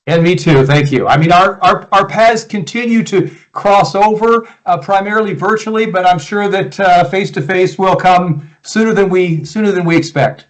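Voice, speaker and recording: A man in his sixties with an American Midwest accent, a guest coach answering interview questions in a relaxed, reflective way over a video call. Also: sits high, normal speed, hardly any pauses, low-quality recording. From United States, Iowa. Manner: relaxed, reflective, with frequent restarts.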